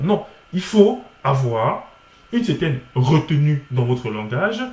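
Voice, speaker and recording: In a Cameroonian accent, a man with a fairly high pitch talks with very wide pitch swings. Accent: Cameroonian accent, worked on articulation. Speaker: online course instructor. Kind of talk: tutorial.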